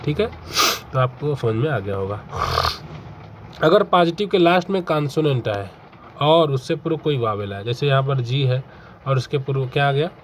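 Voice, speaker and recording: A man's voice: medium pitch, expressive, normal speed, pauses often. A young man teaching an exam-prep grammar lesson, explaining step by step, asking questions and answering them himself, mixing English terms into his talk. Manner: mixes English terms into Hindi. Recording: faint background noise.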